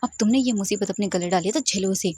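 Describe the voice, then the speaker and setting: A woman voicing an impulsive, playful and jealous young man in a narrated romance story, talking in quick teasing jabs. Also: mid-range voice, darkish tone, breathy edge, no echo, close to an everyday voice.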